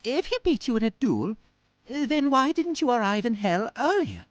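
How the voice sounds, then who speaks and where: A woman acts a prim and theatrical confidant from an audio drama. The voice is fairly high and leaps about dramatically. It is proper, inquisitive and quick to astonishment, in a dry recording. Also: very animated, no echo, muffled recording. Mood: curious, surprised.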